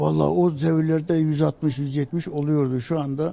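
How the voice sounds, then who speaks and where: A man speaks at a very slow pace with a fairly high pitch. His intonation is fairly even. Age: 60s. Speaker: patient giving testimonial. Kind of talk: testimony. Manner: halting.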